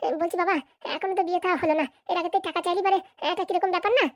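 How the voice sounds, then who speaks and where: A woman's voice: extremely high pitch, fairly even intonation, very fast, darkish tone, no echo. A woman voicing an eager, deferential young village son in a comedy cartoon, with stammering starts. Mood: deferential, hopeful.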